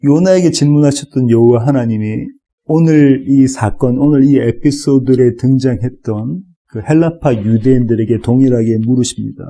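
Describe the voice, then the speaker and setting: A man's voice: mid-range voice, normal speed, warm tone. A male pastor preaching an expository sermon in a church, reading scripture and voicing the biblical figures with rising intensity.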